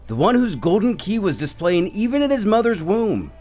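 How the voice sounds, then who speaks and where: A man voicing a polite, deferential angel servant who is flustered and flattering, in a theatrical, courtly manner for a dramatic story. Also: high-pitched, moderate pace, faint music behind, voice pushed up. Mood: polite, teasing. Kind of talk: dramatic fan-story character acting.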